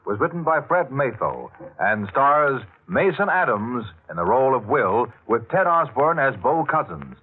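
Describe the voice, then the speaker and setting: A man's voice: mid-range voice, big pitch swings, moderate pace. A man announcing a programme and its credits in a formal 1940s radio style. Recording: muffled vintage radio, faint music.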